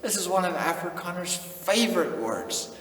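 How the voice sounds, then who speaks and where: A young American man hosts his own video channel, chatting in a laid-back vlog style, chuckling often and dropping in Afrikaans phrases. His voice sits high, very animated and fairly bright, at a moderate pace. He's off-mic in an echoey room with faint noise.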